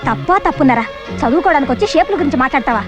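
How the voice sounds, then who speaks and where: An actress playing a sharp-tongued young schoolteacher who answers curtly and scolds in comic film dialogue. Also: female voice, sits high, lively intonation, very fast. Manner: scolding, curt. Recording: dull film soundtrack with music.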